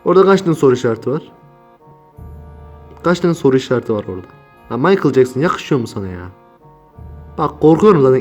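A young man filming a scare prank vlog, talking in slang and swinging from mutters to frightened yelps. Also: medium pitch. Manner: slangy, exclaiming, swings between mumbling and yelling. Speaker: YouTuber.

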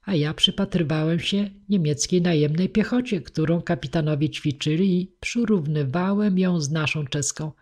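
A woman voicing a young Czech squire, a lively soldier who talks boastfully and folksily. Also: deep voice, moderate pace, few pauses.

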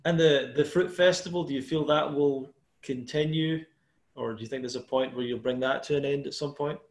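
A man's voice: mid-range voice, normal speed. Male host, video call, echoey room, casual loose questioning. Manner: easygoing, asks loose rambling questions. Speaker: podcast host, interviewer. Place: small bare room indoors.

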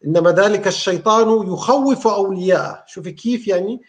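A man's voice: high-pitched, fast talker. A male host who agrees and reflects aloud, searching for his words. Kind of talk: conversational interview.

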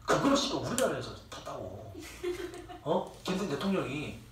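Crowd noise surrounds a young man teaching a class in a fairly high, sing-song voice at a moderate pace. His lecture wanders, mixing jokes with students and plenty of swearing, captured from a distance in an echoey room with faint ambience.

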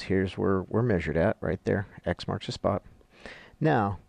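A middle-aged man with a lowish, creaky voice gives an informal lesson. The sound is dry and close, and he talks conversationally, working through each step aloud as an instructor would. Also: darkish tone, no echo. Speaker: audio-visual instructor. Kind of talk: informal instructional explanation while annotating charts.

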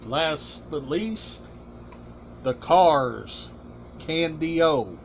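Slow, halting man with a higher-pitched voice. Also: animated, vocal fry, a little hiss or hum. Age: middle-aged. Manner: deliberate, halting, short emphatic phrases. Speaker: collection channel host. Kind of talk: casual show-and-tell vlog. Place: small room indoors.

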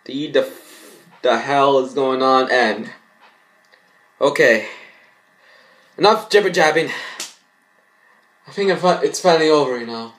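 A young man reads a story aloud and comments on it, haltingly, often tripping over his words. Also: mid-range voice, a bit bright. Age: young adult. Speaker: vlogger. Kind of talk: reading fan fiction aloud with mocking commentary. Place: small bedroom indoors.

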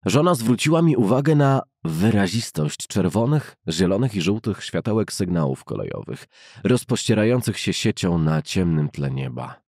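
Low-voiced, husky man narrating an audiobook. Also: sing-song, normal speed, a little mellow, no echo, clean studio sound. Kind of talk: scripted literary narration of a classic novel.

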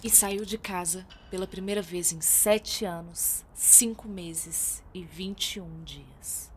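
A woman with a Brazilian accent narrating a radio serial as theatrical storytelling, with deliberate dramatic pauses. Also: fairly low pitch, a little hiss or hum.

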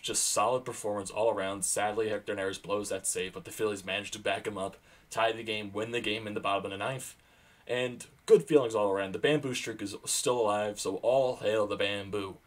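A young man recapping a game as an excited fan at home, with bursts of loud enthusiasm and a sore, fading voice. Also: on the low side, a little fast. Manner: animated, rising to loud bursts on big plays. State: losing his voice, sore throat. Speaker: sports vlogger. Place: small room at home.

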